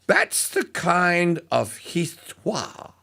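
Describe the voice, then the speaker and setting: A man's voice: extremely slow, vocal fry. A middle-aged man from Louisiana, hosting a casual talk radio show, rambling and digressive with lots of fillers and restarts. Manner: animated pitch swings.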